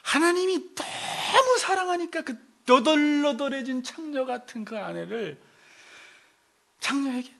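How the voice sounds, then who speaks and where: 교회에서 설교하는 남성 목사로, 인용하는 말투를 연기하듯 흉내 내며 생동감 있게 말한다. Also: male voice, extremely high pitch, a little slow, creaky. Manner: animated preaching, acts out quoted voices. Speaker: pastor. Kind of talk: sermon. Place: church sanctuary.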